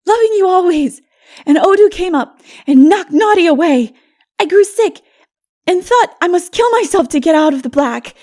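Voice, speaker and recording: A woman voicing an earnest, innocent, frightened little boy in a dramatic storybook reading, with halting, childlike delivery. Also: very high-pitched, darkish tone, voice pushed up. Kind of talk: dramatic audiobook character reading.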